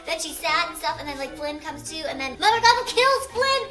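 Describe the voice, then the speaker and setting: A woman whose voice is squeaky from helium, retelling stories casually and excitedly with lots of girlish filler words. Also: fairly quick, faint music behind. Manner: excitable, girlish storytelling full of "like". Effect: squeaky helium-altered voice. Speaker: video host. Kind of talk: casual, rambling movie retelling for a challenge video. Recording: echoey room.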